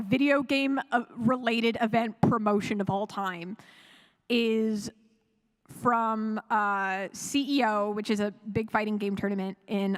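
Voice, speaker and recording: A woman speaking as a convention panelist, chatty and enthusiastic, rambling casually and often correcting herself. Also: fairly high pitch. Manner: chatty and rambling, with frequent self-corrections and chuckles. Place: live panel room at a fan convention.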